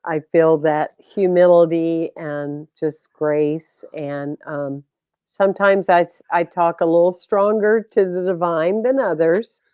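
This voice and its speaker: A woman's voice: on the low side, steady tone, takes it slowly, warm tone, smooth, no room sound, lo-fi sound. A woman hosting a talk show, chatting with a guest in an emphatic way about her spiritual outlook. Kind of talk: interview chat.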